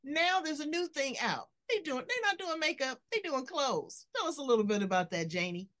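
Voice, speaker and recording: A woman's voice: sits high, sing-song, moderate pace, fairly bright tone. Effusive woman talk-show host. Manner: effusive, playful, preachy about purpose. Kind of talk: casual interview chat.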